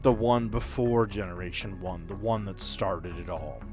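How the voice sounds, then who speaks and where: A man with a fairly low voice narrates a tabletop role-playing game as its game master. He is deliberate and descriptive, pausing partway through sentences, with soft music underneath. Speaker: game master and host of an actual-play podcast.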